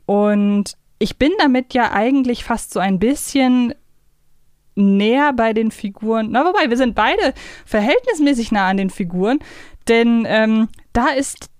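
A woman's voice: a little high, expressive, a little slow, a little mellow, no echo, clean studio sound. A woman hosting a podcast in a casual, conversational chat style. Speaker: podcast host. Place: close, dry podcast recording.

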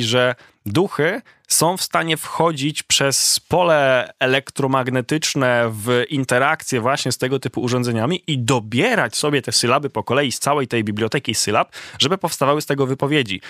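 A man of medium pitch recounts a reporting trip as an interview guest. He talks in a lively, casual way with many fillers. The recording is dry and close, with almost no room sound. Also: no room sound.

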